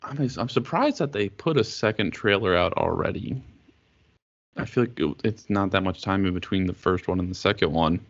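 Low-voiced male podcast host, teasing. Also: normal speed, no room sound. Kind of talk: casual podcast chat. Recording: dull lo-fi dry sound.

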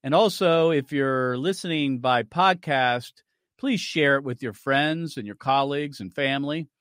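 A man's voice: medium pitch, a little slow, a bit bright, clear, resonant tone, dry recording, studio quality. A man hosting a radio talk show, giving opinionated, argumentative commentary and cueing clips to play.

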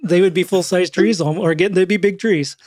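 A middle-aged man hosting a podcast, chatty and quick to laugh, telling stories and asking follow-up questions. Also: sits high, steady tone, a little mellow, no echo, clean studio sound. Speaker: podcast host. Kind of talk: casual conversational interview.

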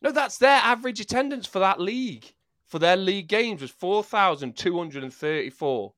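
A man's voice: high-pitched, lively intonation, normal speed, a bit bright. A man on a podcast panel in a heated sports debate, combative and stubborn in sticking to his point.

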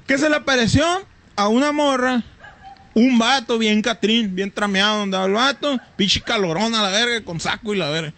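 Mexican male co-host, high voice, bright, slangy storyteller, light hiss behind. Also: normal speed. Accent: Mexican Spanish. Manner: rowdy storyteller, slangy and profane. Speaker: podcast co-host. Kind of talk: casual chat.

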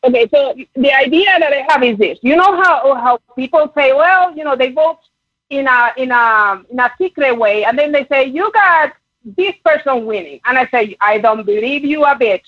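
Puerto Rican-accented woman caller, high voice, halting and earnest, dull phone audio. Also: expressive, dry recording. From Puerto Rico. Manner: earnest, halting, many fillers. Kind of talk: call-in chat.

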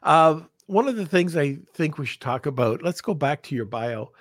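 Relaxed male podcast host, dry sound. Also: a little high, normal speed, no room sound. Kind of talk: casual interview hosting.

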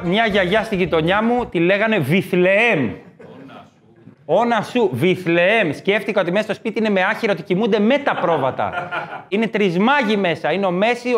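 A man with a high voice performs a stand-up comedy monologue. He riffs from one joke to the next, mimics people shouting names, and throws in quick asides. Faint guitar music plays underneath.

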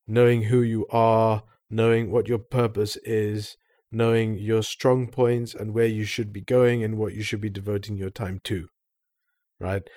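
A man's voice: medium pitch, a little mellow. A man in a casual discussion, explaining his ideas with enthusiasm.

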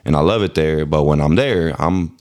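A man's voice: very deep voice, moderate pace, a little mellow. A man from Milwaukee, a musician, talking in a laid-back, slangy way in a casual interview. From Milwaukee, Wisconsin. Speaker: rapper and musician, guest.

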